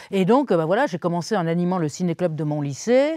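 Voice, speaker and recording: A woman with a dark, mellow tone and a fairly low pitch is recorded very cleanly against a silent background, the sound dry and close with no echo. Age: 60s. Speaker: film journalist. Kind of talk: casual interview. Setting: small cinema.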